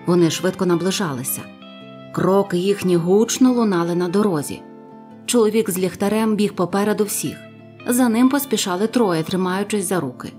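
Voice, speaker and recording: A woman reading a storybook aloud with lively, expressive narration. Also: fairly low pitch. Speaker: audiobook reader.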